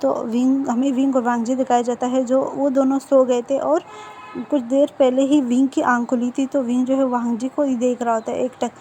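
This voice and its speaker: Woman casually retelling a story, chatty, highish mellow voice, faint hiss behind. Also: level tone, moderate pace. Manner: chatty, full of fillers and restarts.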